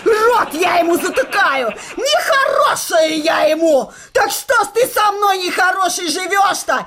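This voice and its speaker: Очень визгливую злую жену. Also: female voice, pushed and bright, heavily acted. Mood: shrill rage. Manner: scolding, sarcastic, shrill, repeating words tauntingly. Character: furious, mocking working-class wife berating her drunkard husband. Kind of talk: comic radio play acting, coarse colloquial speech. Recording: studio radio play, faint music behind.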